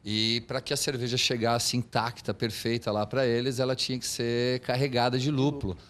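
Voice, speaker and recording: A man's voice: medium pitch, level tone, moderate pace, fairly bright tone. Patient man explaining beer history. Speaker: studio guest, beer enthusiast. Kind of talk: casual chat.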